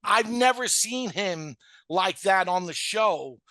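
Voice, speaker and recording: A man's voice: sits high, expressive, slow, pushed and bright, dry recording. A man hosting a casual rewatch podcast, talking bluntly and joking with plenty of swearing. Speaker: podcast host.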